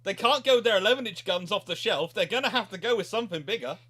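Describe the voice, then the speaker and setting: A man's voice: high voice, lively intonation, quick pace, sharp tone. A man hosting a history question-and-answer chat, explaining in a rambling way and often correcting himself mid-sentence. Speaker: livestream host.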